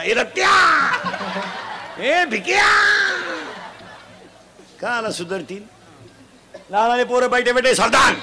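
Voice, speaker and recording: A man preaching a comic devotional sermon, scolding in a folksy way and quizzing the crowd for shouted answers. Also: very high voice, noisy background. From Maharashtra. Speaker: kirtan preacher. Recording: live event with a loud crowd. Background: crowd responding and laughing.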